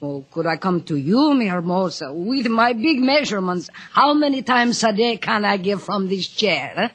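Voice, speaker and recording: Husky, jolly Cuban madam. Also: female voice, medium pitch, lively intonation, normal speed, fairly bright tone. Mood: jolly, flirtatious. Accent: Cuban Spanish. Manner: effusive, theatrical, teasing. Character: big, jolly, flirtatious Cuban dance-hall madam. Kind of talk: 1950s radio drama acting.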